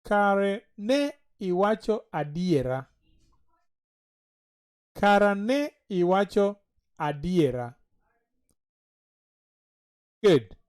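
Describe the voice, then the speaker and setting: A language teacher giving a vocabulary lesson, saying each word slowly and repeating it with care. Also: medium pitch, animated, darkish tone, clean tone.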